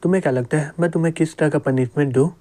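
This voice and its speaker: A man's voice: a little high, racing, mellow, close to an everyday voice. A man voicing a tough young male security chief who talks in threats. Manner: blustering, threatening.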